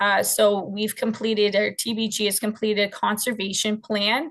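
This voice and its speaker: At a moderate pace, a woman speaks with fairly high pitch. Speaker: heritage consultant. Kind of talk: public meeting delegation. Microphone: too quiet.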